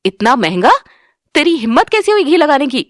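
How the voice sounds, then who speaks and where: Cartoon villain: a woman plays a harsh scolding stepmother, lively high voice. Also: moderate pace, slight background noise. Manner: scolding, sneering. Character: harsh cruel middle-aged stepmother. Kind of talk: animated storybook voice acting.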